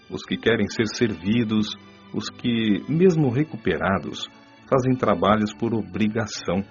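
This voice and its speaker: An actor playing a calm, earnest male spirit mentor who gives solemn, deliberate advice in a radio drama. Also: sits low, exaggerated voice. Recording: muffled audio with music underneath.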